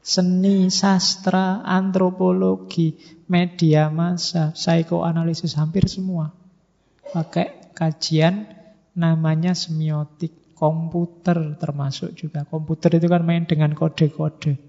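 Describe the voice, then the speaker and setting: A man's voice: a little high, flat delivery, takes it slowly, creaky, dark tone. A man giving a classroom lecture in a conversational way, often asking rhetorical questions and acting out his students. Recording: dull, echoey hall recording.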